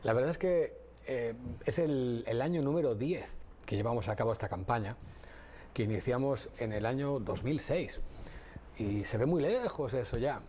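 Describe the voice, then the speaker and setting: A middle-aged man from Catalonia speaks as a guest on a television talk show. His pitch sits in an ordinary middle range. He explains things in a measured, patient way and sometimes restarts a phrase. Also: darkish tone, a little hiss or hum. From Catalonia, Spain. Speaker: audiologist guest. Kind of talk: TV interview.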